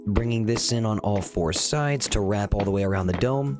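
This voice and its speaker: Male gameplay host, low, relaxed and slightly raspy, soft music bed. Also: moderate pace. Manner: relaxed, easygoing, thinks aloud while building. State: slightly raspy from recent illness. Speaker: Minecraft let's play host. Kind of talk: calm narrated gameplay commentary.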